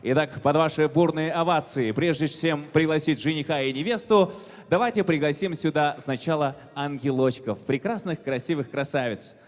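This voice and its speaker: A man works as a wedding master of ceremonies, announcing in a showy ringmaster manner with drawn-out words. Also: on the high side. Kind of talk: bilingual event hosting in Kyrgyz and Russian. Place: large event hall, over PA. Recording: hall reverb with music behind. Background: music.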